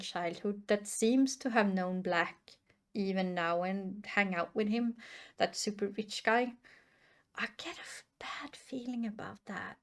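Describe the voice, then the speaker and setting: Scandi-woman rambling slowly thru a show reaction, stops and restarts a lot. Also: mid-range voice, fairly bright tone. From Sweden or Norway. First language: Swedish and Norwegian. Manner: thinking aloud, hesitant, many restarts and fillers. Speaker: reaction channel host. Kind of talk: casual reaction commentary.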